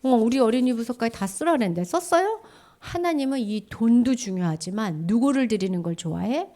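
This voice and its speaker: Lively woman giving a children's sermon. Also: fairly high pitch, brisk. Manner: lively, acts out cries and prayers, drops to a whisper.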